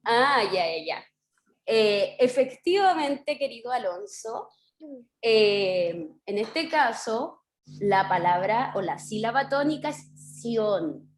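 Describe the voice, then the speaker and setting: A Chilean woman teaching children over a video call, patient and encouraging, stretching out key syllables when she explains. Her voice sits a little high for a woman. The sound is roomy and echoey, as call audio often is. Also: sing-song, slow. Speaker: primary school teacher. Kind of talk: online class teaching.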